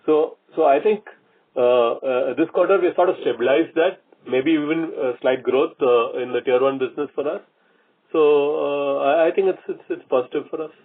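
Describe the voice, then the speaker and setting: A man's voice: on the high side, slightly rough. Man on a tinny phone line. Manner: halting, repeats and restarts phrases. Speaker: company executive. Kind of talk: answering questions on an earnings call. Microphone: conference call line.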